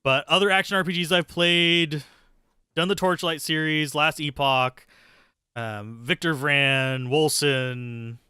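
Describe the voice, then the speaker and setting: A man's voice: a little high, steady tone, slow pace, bright, forceful tone, clear, resonant tone, no room sound, clean studio sound. A man giving casual, sweary live gameplay commentary and chatting with viewers in a sardonic, self-deprecating way. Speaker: game streamer, host.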